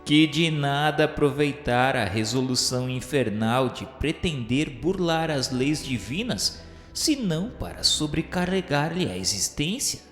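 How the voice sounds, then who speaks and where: Slow, solemn Brazilian man narrating in reverb. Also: fairly high pitch, expressive, a bit bright. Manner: grandiloquent, formal declamation. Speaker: narrator of a spiritist radio novel. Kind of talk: solemn dramatic literary narration. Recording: echoey, long reverb, music underneath. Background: music.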